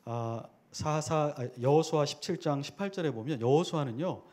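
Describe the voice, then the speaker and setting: A man's voice: fairly high pitch, normal speed, a little mellow. A man preaching a sermon as a guest preacher at a church worship service, speaking earnestly and conversationally and asking the congregation rhetorical questions.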